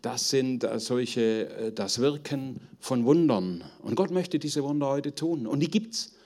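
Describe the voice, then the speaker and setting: A middle-aged man teaching a group in an informal sermon, earnest and conversational, often halting as he searches for words. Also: mid-range voice, animated, darkish tone. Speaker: preacher teaching on spiritual gifts.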